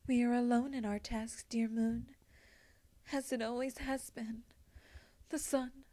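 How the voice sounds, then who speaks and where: A woman voicing a wistful, regal winged pony princess in a storybook, speaking formally, softly and solemnly. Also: on the high side, close to an everyday voice. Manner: formal, soft-spoken, solemn. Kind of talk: storybook character acting.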